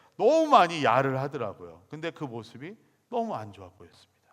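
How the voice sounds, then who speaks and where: Moderate pacing from a man with a fairly high-pitched voice. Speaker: pastor. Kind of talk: sermon.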